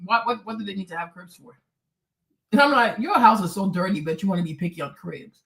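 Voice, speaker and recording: A woman's voice: mid-range voice, a little fast, creaky, a bit bright. A woman vlogger reacting to a clip in casual commentary, blunt and sassy, talking straight to her viewers.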